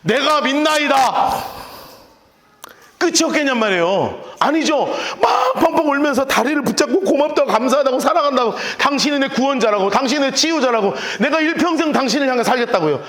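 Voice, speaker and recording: High-voiced animated male pastor preaching. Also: quick pace, few pauses. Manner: animated storytelling with acted voices and sound effects. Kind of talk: sermon. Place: church sanctuary. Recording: echoey church sanctuary.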